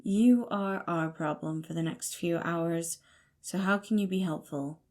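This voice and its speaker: A woman's voice: lowish voice, a little slow, darkish tone, lightly acted. A woman voicing a haughty, exasperated male leader in an audio story, cool, dry and imperious. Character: haughty, exasperated man in charge of a bunker.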